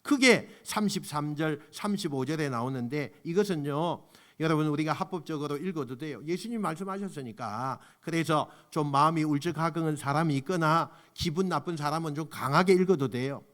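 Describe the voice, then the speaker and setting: A man preaching a sermon as a pastor in a church, moving between soft low asides and loud, impassioned exhortation and leading the congregation in reading scripture. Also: fairly quick. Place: church sanctuary.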